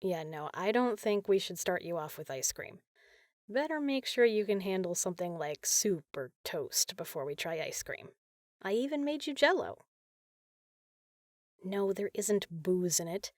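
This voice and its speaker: A woman playing a caring, teasing big sister in an intimate comfort roleplay, talking softly and casually. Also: on the low side, expressive, measured pace, no echo, studio quality. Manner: soft, soothing, casual, playful.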